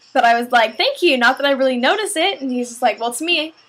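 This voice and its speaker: A high-pitched woman's voice at a fairly quick pace, with ordinary pitch variation and noticeable background noise. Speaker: vlogger. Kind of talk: casual vlog monologue. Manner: rambling with many fillers.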